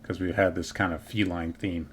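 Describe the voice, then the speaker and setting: Casting: male game-stream host, lowish voice, playful and easily sidetracked, interviewing a guest in loose stop-start phrasing. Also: fairly even intonation, normal speed, soft background music. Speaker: livestream host. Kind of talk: casual interview while gaming.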